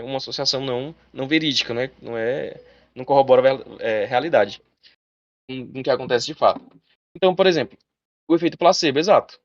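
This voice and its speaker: A male teacher giving a live online class, talking fast and chatty, speaking straight to his students. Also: fairly high pitch, dry recording, muffled recording.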